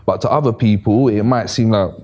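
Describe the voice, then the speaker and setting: A man in his thirties speaks as a panel guest in a low, mellow voice. His talk is easygoing and plainspoken, like chat among friends. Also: fairly quick. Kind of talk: casual discussion. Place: bright studio room, city view.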